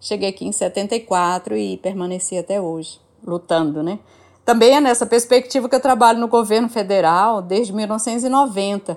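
This woman talks at medium pitch and a fairly slow pace with ordinary pitch variation. It is a normal speaking voice, on a very clean recording with a silent background. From Maranhão, Brazilian Northeast. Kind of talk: interview.

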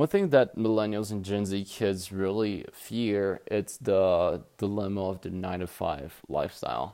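A dark, mellow tone at a fairly slow pace, with ordinary pitch variation, hardly any pauses, and a very clean recording over a silent background. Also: man, fairly low pitch for a man. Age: 20s. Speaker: podcast host and economics student. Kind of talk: solo monologue podcast. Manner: halting, many fillers.

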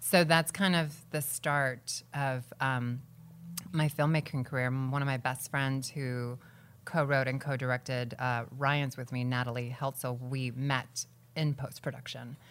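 On a very clean recording with a silent background, a woman with a very deep, low pitch talks fairly slowly with fairly even intonation. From Guam. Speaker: actress and filmmaker. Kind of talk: interview.

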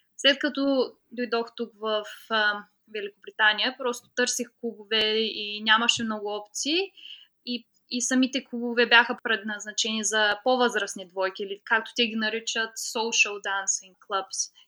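A woman speaks at a fairly slow pace with a fairly high pitch, fairly even intonation and a bright, sharp tone. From Bulgaria, Ruse. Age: 20s. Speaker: personal trainer. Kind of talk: interview. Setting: remote call. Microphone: poor audio.

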